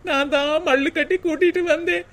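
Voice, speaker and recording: A humble young sister in a cartoon family drama, voiced by a woman. She pleads through tears in a very high, soft voice. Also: fairly even intonation, a little fast. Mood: tearful pleading. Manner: pleading, tearful.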